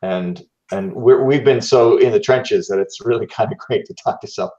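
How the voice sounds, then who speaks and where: A man's voice: medium pitch, normal speed, dark tone. A man chatting casually on a podcast with a wry, teasing manner, on dull audio. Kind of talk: casual chat.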